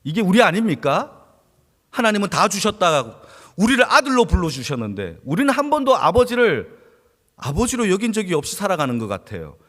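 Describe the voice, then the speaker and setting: A man delivers a Sunday sermon in a church sanctuary, his slightly high voice swinging widely in pitch. He keeps asking the congregation questions and acts out the Bible figures with sudden dramatic leaps. A long reverb from the room trails behind every phrase. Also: huge pitch swings, a little fast, a bit bright. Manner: asks the congregation rhetorical questions. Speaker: senior pastor.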